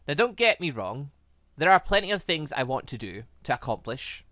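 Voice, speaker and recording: A gaming host voicing a coolly possessive, commanding villainess in a visual novel, in a measured, deliberate way. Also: mid-range voice, big pitch swings, sharp tone, no room sound.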